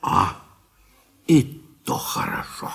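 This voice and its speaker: An actor playing a gentle, food-loving old country landowner in a radio play, speaking hesitantly with mild grumbling. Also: male voice, slow pace. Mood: mild, hungry.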